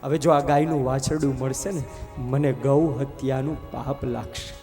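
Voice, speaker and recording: A man's voice: medium pitch, fairly even intonation, moderate pace, mellow, pitched below the performer's own voice, close to an everyday voice. A man voicing an anxious, pleading male divine sage. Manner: pleading, fretful storyteller's voice. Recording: long hall echo with music.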